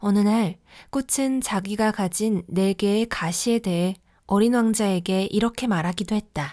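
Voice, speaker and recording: On a very clean recording with a silent background, a woman with a medium pitch and a dark, mellow tone speaks at a fairly slow pace. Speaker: audiobook narrator. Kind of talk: audiobook reading. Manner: natural, expressive with character acting.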